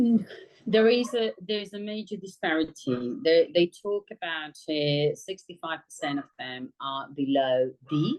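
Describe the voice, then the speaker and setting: This woman speaks in a Spanish accent at a fairly slow pace. Her pitch moves through very wide swings. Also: big swings in loudness. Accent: Spanish accent with London terminology. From Spain. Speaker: property investor. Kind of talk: interview. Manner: halting.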